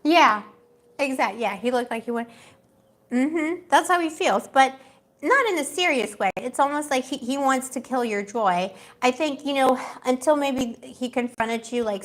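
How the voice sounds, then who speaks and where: Chatty, gossipy woman reading tarot. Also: fairly high pitch. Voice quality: gossipy, chatty, laughs often. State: losing her voice. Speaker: tarot reader. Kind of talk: casual livestream tarot reading.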